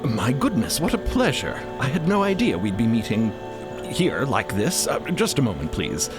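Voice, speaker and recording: A man voicing a courteous, polished professorial gentleman with a genteel, polite manner in a story podcast. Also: medium pitch, wildly swooping pitch, normal speed, over music. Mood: pleased, polite.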